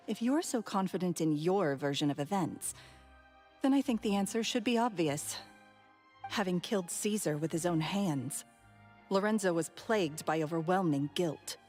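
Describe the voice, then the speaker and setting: A cunning villainess from a video game, speaking in a fairly low voice. She is composed, sardonic and deliberate, with music playing underneath. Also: darkish tone. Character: Gemma, cunning composed female villain, coolly mocking.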